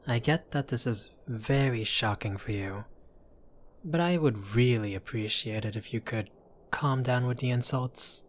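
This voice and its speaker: Audio roleplay lead: male actor as a chatty mafia boss, medium pitch, wry and placating, easily exasperated. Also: lightly acted. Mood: placating, awkward. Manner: conversational, wry, placating, theatrical asides. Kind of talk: audio roleplay addressed to the listener.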